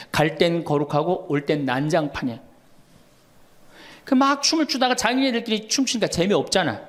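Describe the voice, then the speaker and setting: A Catholic priest in his sixties giving a humorous sermon to an audience, telling stories with laughter and acting out the dialogue. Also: fairly high pitch. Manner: storytelling with laughter and lively quoted dialogue.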